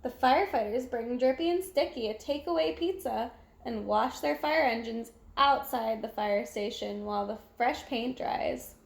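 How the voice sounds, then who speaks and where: A woman reading a children's picture book aloud in an expressive, animated way, with exclamations. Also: a little high, moderate pace, vocal fry, hardly any pauses. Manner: animated, exclamatory, acts out sound effects. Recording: echoey room.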